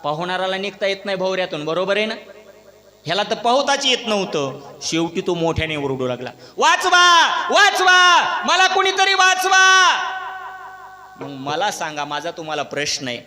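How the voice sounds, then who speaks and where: Guy preaching a kirtan, bright sharp voice, acts out the story, big echoey hall. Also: a little high, fairly quick. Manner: animated storyteller, acts out characters, questions the audience. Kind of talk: devotional kirtan storytelling sermon. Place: large echoey hall at a religious gathering. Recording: echoey hall with long reverb.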